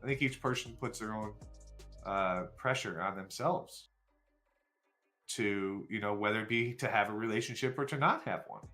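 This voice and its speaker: Candid, rambling man in his forties, low-voiced. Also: normal speed, pushed and bright, soft background music. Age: 40s. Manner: candid, rambling and self-deprecating, with frequent fillers. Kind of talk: casual chat with viewers.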